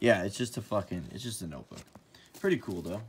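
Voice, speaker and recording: The man's intonation is lively. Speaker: gaming streamer. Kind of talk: unboxing video. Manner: casual, rambling with fillers.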